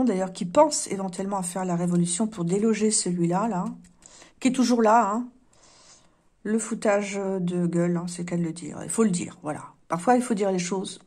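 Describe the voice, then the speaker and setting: A woman's voice: medium pitch, darkish tone. A woman lays out oracle cards and chats through them with her viewers. Her talk is loose and wry, full of fillers and small jokes. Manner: chatty, wry asides, many fillers. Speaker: card reader. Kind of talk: casual tarot-style card reading.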